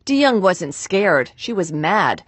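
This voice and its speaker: A woman reporting a TV news story with an even, polished delivery. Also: lowish voice, slow pace, slightly rough.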